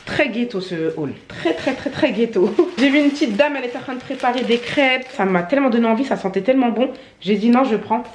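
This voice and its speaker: A woman's voice: a little high, animated, quick pace, hardly any pauses, a little mellow, slight background noise. Chatty young woman vlogging from home. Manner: chatty, upbeat, slangy, talking straight to her viewers. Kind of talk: casual vlog chat. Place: at home, indoors.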